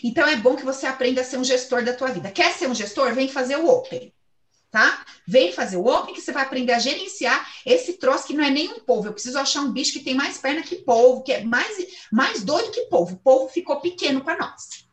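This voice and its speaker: Animated, blunt Brazilian woman. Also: high-pitched, fairly quick, echoey room. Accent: Brazilian Portuguese. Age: 30s. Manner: blunt, swears freely, animated. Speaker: host and coach. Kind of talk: lively motivational talk.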